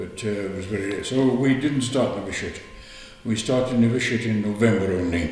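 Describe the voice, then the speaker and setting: A man in an English accent, medium pitch, ordinary pitch variation and moderate pace, with audible room echo and noticeable background noise. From England. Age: 80s+. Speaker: priest. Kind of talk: interview.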